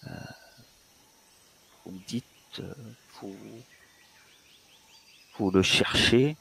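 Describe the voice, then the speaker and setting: Greedy haughty bargainer, man acting it out, low voice, slow, gravelly. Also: bright, forceful tone, heavily acted.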